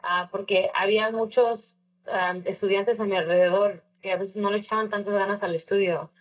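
A woman's voice: medium pitch, fairly even intonation, normal speed, husky. A woman raised in the Chicago area, telling her own story as a guest in an interview, reflective and mixing in English phrases. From Chicago area, United States. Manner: reflective, with frequent fillers and English phrases mixed in. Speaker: scholarship recipient guest. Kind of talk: casual personal story in an interview. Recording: far-off tinny phone-like line.

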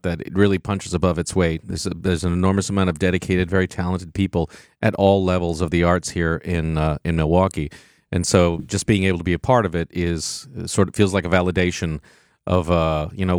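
A deep-voiced man speaks as a guest in a radio studio. He is eager and rushes ahead, repeating and restarting his phrases. The sound is close and dry. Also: darkish tone, no echo. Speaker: actor guest. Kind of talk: radio interview conversation.

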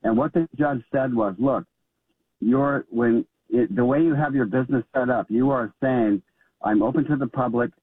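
A man from California calling in to a talk radio show, explaining his point haltingly with many restarts. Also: mid-range voice, slightly rough, dry recording. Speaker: caller. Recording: phone line.

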